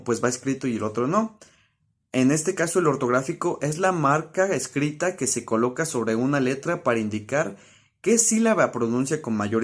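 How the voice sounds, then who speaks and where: A young man giving a study-review explanation of spelling rules, halting, with many fillers and self-corrections. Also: mid-range voice. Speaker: student presenter.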